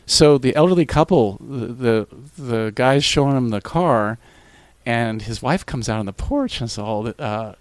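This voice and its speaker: A man's voice: mid-range voice, unhurried, no room sound. Man telling a rambling car story. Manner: animated, rambling with restarts. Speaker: guest. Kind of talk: casual storytelling.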